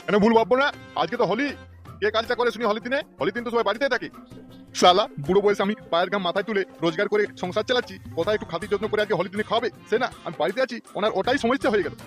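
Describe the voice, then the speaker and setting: Man playing a rapid-fire cranky old cartoon grandfather. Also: high voice, faint music behind, close to an everyday voice. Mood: sarcastic, grumbling. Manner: scolding, sarcastic. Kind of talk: comic cartoon dialogue.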